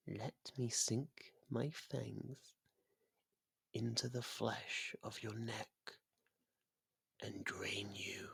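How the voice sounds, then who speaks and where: An actor playing a sadistic ancient vampire in an ASMR roleplay, seductive, possessive and condescending, with a gravelly, breathy delivery that often sinks into whispers. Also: mid-range voice, no room sound, exaggerated voice. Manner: slow, hushed, often breathy whispering, theatrical. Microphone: close studio microphone, dry.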